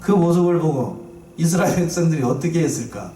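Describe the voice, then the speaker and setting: A man preaching a sermon as pastor, lively and playful, asking his congregation questions. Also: fairly high pitch, brisk, slight background noise. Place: church sanctuary. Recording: echoey church from far off.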